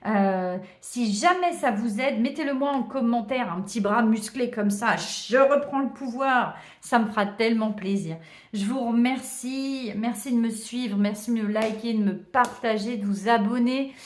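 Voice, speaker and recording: A woman giving a casual tarot card reading to her viewers, chatty and hesitant, often pausing with "euh". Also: a little high. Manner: chatty, warm thanks, many hesitations and small laughs. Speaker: tarot reader. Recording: roomy echo.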